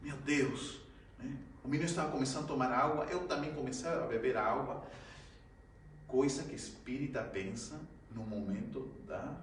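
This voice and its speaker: A man giving a humorous spiritist talk, acting out his own gasps and shouts and laughing often as he tells the story. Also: medium pitch, normal speed, a little hiss or hum. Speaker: spiritist lecturer. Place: lecture hall. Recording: very echoey hall, mic at a distance.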